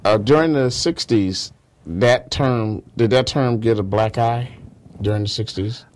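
A man's voice: medium pitch, measured pace, darkish tone. A man hosting a casual, conversational interview as the interviewer. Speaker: interviewer, host. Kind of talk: casual radio-style interview.

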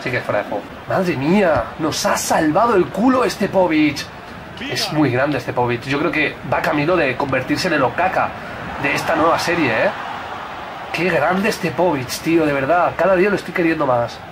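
A young man giving excitable commentary on his football video game career, shouting at chances and goals. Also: fairly high pitch, moderate pace, noisy background. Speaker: gaming youtuber.

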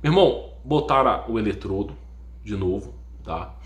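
A man's voice: lowish voice, normal speed, reverberant, background noise. A man hosting his own channel, telling an emotional personal testimony, acting out what others said and stressing that he is not joking. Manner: animated storyteller who acts out what others said; keeps stressing "no joke" and checking in with listeners. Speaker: YouTube channel host.

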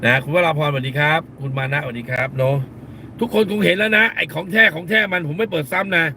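Blunt gravelly man ranting on a live stream. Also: fairly high pitch, expressive, fast, sharp tone, slight background noise. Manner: blunt, scolding, uses crude slang; repeats phrases for emphasis. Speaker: lawyer and live-stream host. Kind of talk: casual live-stream commentary.

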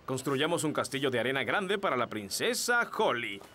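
A man's voice: mid-range voice, sing-song, normal speed, noisy background, lightly acted. A man with a Latin American Spanish accent voicing a fussy, proud, good-natured elf father in a children's cartoon dub, with music underneath. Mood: eager, proud.

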